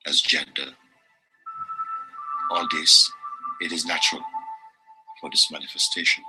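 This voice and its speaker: Very deep-voiced man, slow meditative reading. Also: flat delivery, bright, forceful tone, soft background music. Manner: measured, deliberate, with long pauses. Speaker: reader of spiritual teachings.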